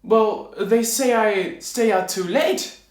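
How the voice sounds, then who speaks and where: A simple, meek little tailor out of a storybook, as a male narrator puts him on. He sounds high and flustered, hesitating and rambling. The recording has room echo. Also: slow. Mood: confused.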